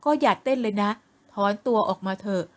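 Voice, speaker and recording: A woman voicing a fond, doting middle-aged father in an audio novel, speaking slowly. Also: medium pitch, natural voice. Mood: gentle.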